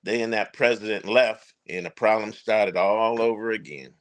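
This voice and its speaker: A man's voice: on the low side, steady tone, normal speed. A middle-aged or older man, a ring announcer, speaking as an interview guest and telling stories emphatically, with repeated phrases. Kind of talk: conversational storytelling in an interview.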